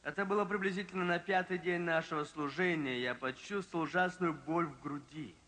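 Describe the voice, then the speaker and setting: A man preaching a sermon, telling a story with emphasis, slowing down and dropping low at dramatic moments. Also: fairly bright tone. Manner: emphatic, slows and drops pitch for drama. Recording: long reverb from a large hall.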